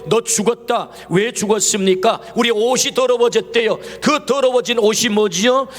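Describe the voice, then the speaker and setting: A man with a high voice preaching a Sunday sermon in a church sanctuary, its long reverb trailing each phrase. He keeps asking the congregation questions, at times dropping soft and low, at times lifting his voice. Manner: preaching with rhetorical questions, swings between soft and raised passages. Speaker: pastor.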